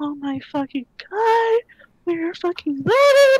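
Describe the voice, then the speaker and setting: An extremely high, squeaky put-on character voice with very wide pitch swings, at a fairly slow pace. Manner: put-on, gleeful, crude.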